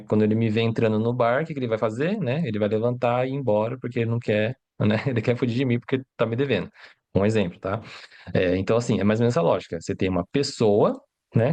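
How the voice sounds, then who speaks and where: A man's voice: mid-range voice, a little mellow. Brief: male teacher streaming live, medium voice, chatty, keeps checking in with viewers. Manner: chatty, asks "né?" and "tá?" constantly; reads out viewer questions and answers them. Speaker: Mandarin teacher. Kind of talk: casual live-stream lesson.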